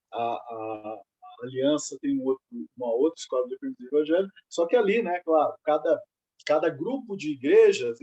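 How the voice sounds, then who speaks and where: Man, group talk, halting delivery, husky and warm-toned. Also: fairly high pitch, rough recording. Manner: hesitant, many restarts. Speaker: study group participant. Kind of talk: casual group discussion.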